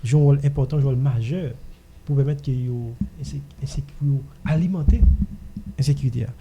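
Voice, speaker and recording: A man's voice: medium pitch, a little fast, warm tone, husky. A man with a Haitian accent talking casually as host of a radio discussion.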